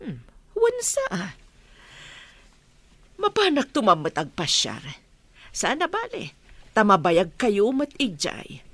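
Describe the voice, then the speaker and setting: A caring, expressive mother. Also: medium pitch, takes it slowly, long pauses, dry recording, full character voice. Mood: tender. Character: caring mother talking with her son. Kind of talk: radio drama acting.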